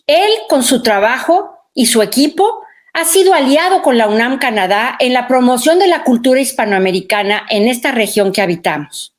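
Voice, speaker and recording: A woman reads a formal welcome with a ceremonious air. Her voice is fairly high and moves a lot in pitch. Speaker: program presenter. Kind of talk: formal read welcome speech.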